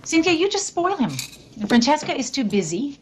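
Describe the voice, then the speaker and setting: A weary, fed-up grown daughter. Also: female voice, high-pitched, very animated, fairly quick, noisy background. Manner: firm, confronting.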